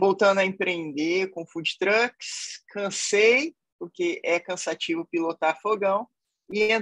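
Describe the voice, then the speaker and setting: In a dry, close sound with no echo, a woman talks very slowly at a medium pitch with ordinary variation. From Brazil, interior of São Paulo state (São José do Rio Preto). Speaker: chef and entrepreneur. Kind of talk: panel talk.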